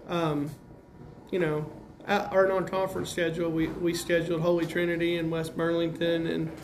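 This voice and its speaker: A man with an American accent and a slightly high voice talks as a basketball coach being interviewed. His wording is plain and casual as he analyzes play. There is some noise in the recording. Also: level tone, moderate pace. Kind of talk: interview answers, game analysis.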